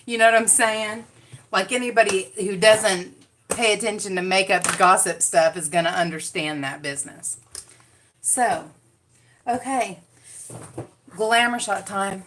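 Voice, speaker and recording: A woman's voice: medium pitch, unhurried, pauses often, a bit bright, a little hiss or hum. A woman chatting casually with her viewers on a makeup livestream, talking straight to them. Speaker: beauty livestream host. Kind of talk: casual livestream chat while doing makeup.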